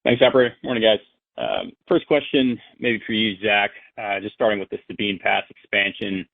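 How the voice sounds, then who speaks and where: A man's voice: fairly low pitch, expressive, moderate pace, creaky, no room sound. A man speaking as a financial analyst, asking questions in a casual professional way over a phone line on a conference call. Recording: narrow-band phone line.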